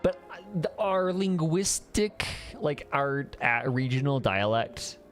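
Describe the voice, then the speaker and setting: A man's voice: mid-range voice, expressive, slow, faint music behind. A young man from Colorado with a Coloradan accent, chatting casually as a streamer while playing, rambling with restarts and swearing.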